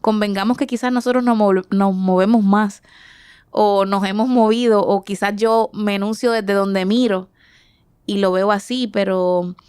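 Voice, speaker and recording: This is an artist guest from the Dominican Republic, a woman in her forties who responds to interview questions thoughtfully, searching for words and frequently starting over. She speaks unhurriedly at a medium pitch with fairly even intonation and a slightly mellow, clean tone. The recording is dry, with clean studio sound.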